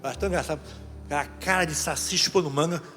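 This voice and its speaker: A man's voice: on the high side, rapid-fire, sharp tone. A middle-aged man with a Brazilian Portuguese accent, a deacon giving a sermon in a conversational storytelling way that speaks straight to the listeners. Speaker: deacon preacher. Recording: reverberant hall with faint music.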